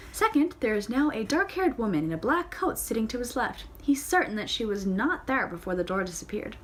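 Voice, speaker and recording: A woman's voice: mid-range voice, slight background noise. A woman reads a novel aloud in a casual way. She often stumbles and corrects herself, and she adds playful side comments of her own. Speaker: audiobook reader.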